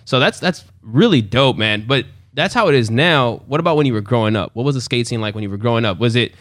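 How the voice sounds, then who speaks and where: A man's voice: medium pitch, animated, fast, a bit bright, no echo, clean studio sound. A man hosting a podcast, laid-back and enthusiastic, with lots of casual slang. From Los Angeles. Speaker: podcast host.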